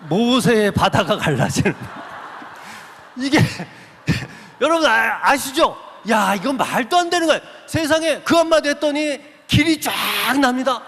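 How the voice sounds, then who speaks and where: A man giving an animated testimony to a church congregation, telling his story vividly, acting out voices and putting questions to the listeners. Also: very high voice. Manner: lively storyteller who acts out quoted voices and asks the audience questions. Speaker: guest speaker giving a testimony. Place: large church sanctuary. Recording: long reverb of a big sanctuary.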